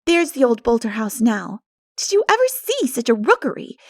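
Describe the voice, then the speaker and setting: A woman voicing a practical, excitable young girl in an animated, emphatic audiobook reading. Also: a little high, moderate pace, dry recording, studio quality, pitched above the performer's own voice. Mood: chatty, eager. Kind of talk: dramatic audiobook character reading.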